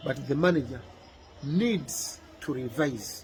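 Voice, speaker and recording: Speaking with a Ugandan accent, a man uses a fairly high pitch and lively intonation at a very slow pace. Audible room echo and noticeable background noise come through. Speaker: football commentator. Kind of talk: video commentary monologue. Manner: halting with repetitions.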